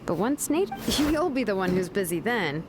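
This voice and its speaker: A woman playing a cool, laid-back young craftswoman in a video game, casual and quietly kind in delivery. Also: medium pitch, sing-song, normal speed, noisy background, close to an everyday voice. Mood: relaxed. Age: young adult. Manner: casual, easygoing. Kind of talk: video game story dialogue. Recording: music behind the voice.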